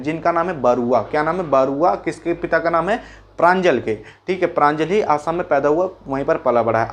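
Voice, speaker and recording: A man talks through a school chapter like a friendly tutor. His voice sits a little high for a man, and he keeps stopping to quiz himself and answer, calling his listeners brother along the way. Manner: chatty, repeats key points as quick questions and answers; folksy, calls listeners brother and mimics sounds. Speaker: teacher. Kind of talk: casual Hindi lesson explaining a chapter.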